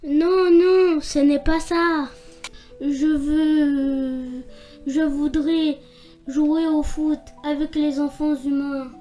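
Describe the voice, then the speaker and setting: A small, hopeful ogre boy from a children's cartoon , acted out by a performer, with a high voice. He speaks slowly and politely, earnest and eager to please, over music. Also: little pitch movement, mellow.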